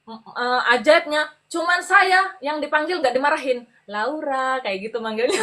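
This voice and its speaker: A middle-aged woman speaks as a podcast guest, telling her own story. Her voice is fairly high and bright, with a crisp edge. She tells it with lively energy, laughs easily, and switches into character voices for the people she quotes. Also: a little slow. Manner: animated, laughs often while telling the story. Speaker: podcast guest giving a testimony. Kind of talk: conversational storytelling.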